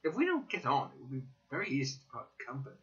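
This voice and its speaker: A man voicing an inquisitive, reserved gentleman doctor with a formal, questioning manner in a dramatic audiobook reading. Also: medium pitch, wildly swooping pitch, quick pace. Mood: suspicious. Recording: dull lo-fi recording.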